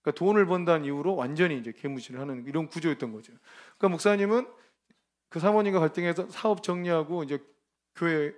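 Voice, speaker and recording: A man preaching a lively, informal sermon at a ministry training, emphatic and colloquial, often breaking into laughter. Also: a little high, fast talker.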